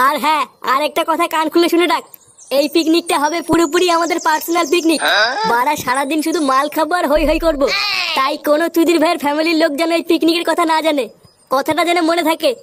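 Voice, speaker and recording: A woman's voice: extremely high pitch, fairly even intonation, quick pace, a little hiss or hum. A woman voicing a bossy, foul-mouthed young club leader in a cartoon who lectures the others.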